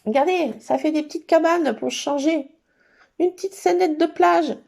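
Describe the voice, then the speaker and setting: A woman hosting a casual craft session, chatting to her viewers and thinking aloud as she works, with sudden bursts of excitement. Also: sits high, moderate pace, vocal fry. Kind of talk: casual craft tutorial chat.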